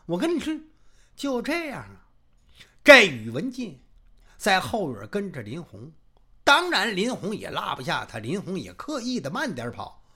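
A male storyteller narrating in a traditional style, animated and emphatic with drawn-out phrases. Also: sits high, husky.

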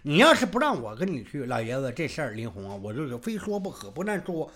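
A man's voice: mid-range voice, big pitch swings, fast, a bit bright, voice pushed down. A male storyteller voicing a talkative young male sidekick who scolds and quotes proverbs. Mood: nagging. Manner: scolding, wordy, proverb-quoting. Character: chatty, nagging young male sidekick, self-styled talker. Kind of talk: traditional storytelling.

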